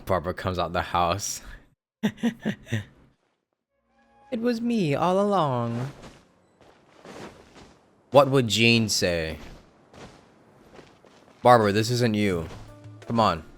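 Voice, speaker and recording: A man's voice: mid-range voice, big pitch swings, slow, pauses often, faint music behind. A young man giving casual, joking, slangy live commentary as a game streamer.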